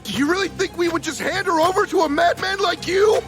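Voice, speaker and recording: An actor playing an earnest, protective young adventurer in an overacted anime dub. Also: male voice, medium pitch, moderate pace, loud music behind the voice, natural voice. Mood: defiant.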